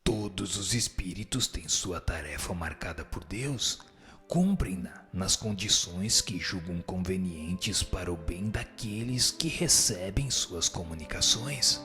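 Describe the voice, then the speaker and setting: A man playing a grave, admonishing spirit teacher in a scripted audio drama, speaking in a solemn, measured, didactic way. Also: low-pitched, pushed and bright, faint music behind, exaggerated voice. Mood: solemn, instructive.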